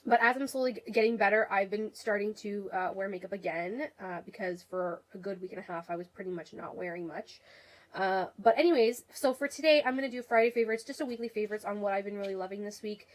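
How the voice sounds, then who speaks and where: A woman's voice: medium pitch, quick pace, rough recording. Nasal, congested woman vlogger. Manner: chatty, rambling, many fillers. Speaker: beauty vlogger. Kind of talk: casual makeup chat to camera.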